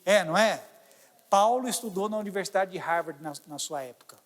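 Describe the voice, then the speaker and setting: A man with a Brazilian Portuguese accent preaching a sermon as pastor, swinging between loud exclamations and quiet asides. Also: high-pitched, fairly quick, big-room sound.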